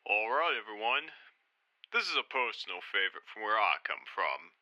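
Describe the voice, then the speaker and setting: Man as a intercom announcer, very forceful tone, lively pitch, band-limited dry sound, fan audio drama. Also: moderate pace, no echo, dull audio, full character voice. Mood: announcing. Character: male event announcer over an intercom. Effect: intercom speaker.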